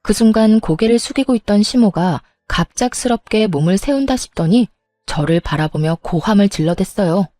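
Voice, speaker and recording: A woman's voice: medium pitch, lively intonation, moderate pace, mellow, no echo, studio quality, soft background music. A woman narrating her own story in the first person, speaking coldly and cuttingly.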